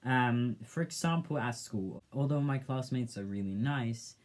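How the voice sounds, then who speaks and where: Young man, soft and gentle, mid-pitched, reflective vlog delivery with hesitant fillers. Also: measured pace. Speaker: vlogger. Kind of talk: casual personal vlog.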